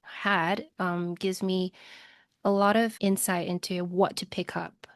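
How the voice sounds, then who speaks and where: A woman from Taiwan whose first language is Mandarin, answering interview questions in a measured, explanatory way. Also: fairly low pitch, level tone, no echo, studio quality. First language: Mandarin Chinese. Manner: measured and explanatory, light laughs. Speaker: guest, legal recruiter.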